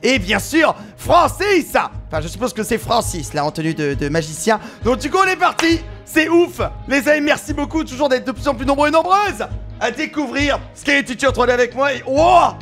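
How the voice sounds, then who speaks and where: A man giving excitable, exclamatory let's play commentary as a gaming YouTuber, often shouting with excitement. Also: extremely high pitch, brisk. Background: game music.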